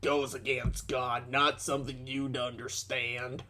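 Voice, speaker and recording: A man's voice: mid-range voice, little pitch movement, a little slow, bright, forceful tone, a little hiss or hum. A man playing a dim, belligerent, crude redneck internet commenter in a comic dramatic reading, with blunt, sweary delivery. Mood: indignant, sullen.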